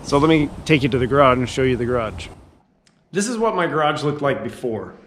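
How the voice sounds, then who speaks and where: A man's voice: mid-range voice, lively intonation, a little fast, fairly bright tone, slight background noise. Rambling man on a home tour. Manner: rambling, self-correcting, frequent throat clearing. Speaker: homeowner giving a house tour. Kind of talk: casual handheld tour narration.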